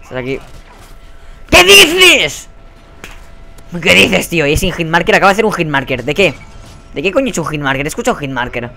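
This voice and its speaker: A young man with a Spanish accent from Spain narrates his match as it happens, slipping between muttered asides and sudden frustrated yells. His voice sits a little on the high side, full of swearing and complaints about the game. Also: lively intonation, rapid-fire, very noisy. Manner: swearing, frustrated outbursts and yelling. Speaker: gaming YouTuber. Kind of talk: live gameplay commentary.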